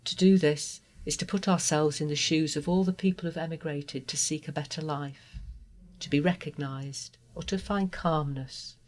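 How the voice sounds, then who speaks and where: A trans woman from Guatemala, a native Spanish speaker, telling her life story in an interview with an earnest, heartfelt, measured manner. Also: low voice, fairly even intonation, darkish tone. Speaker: interview guest. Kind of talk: personal testimony interview.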